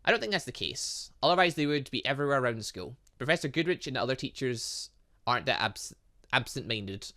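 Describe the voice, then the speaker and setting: A male gaming host with a bright, forceful voice. His pitch moves around a lot as he reads game text aloud and drops in chatty comments. He occasionally stumbles on a word and carries on. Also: lively intonation, fast. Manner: stumbles over long words, chatty asides. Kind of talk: let's play, reading game dialogue aloud with commentary.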